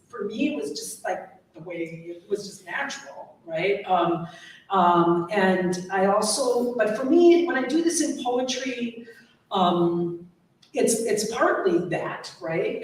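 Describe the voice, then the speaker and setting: Woman poet, lively, echoey distant hall. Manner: lively, tag questions with "right?". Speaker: poet on a panel. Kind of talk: live panel discussion. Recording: echoey hall, distant mic, faint rumble.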